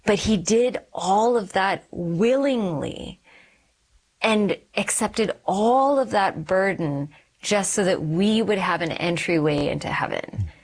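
A woman in her forties from Canada, an OB-GYN physician, telling her faith story in an interview in an earnest, reflective, measured way. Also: mid-range voice, lively intonation.

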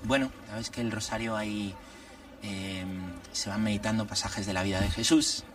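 A man, a priest and guest, explaining religious matters in an unhurried, reflective way and laying out his points one by one. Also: fairly low pitch, little pitch movement, distant mic. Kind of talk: conversational religious commentary.

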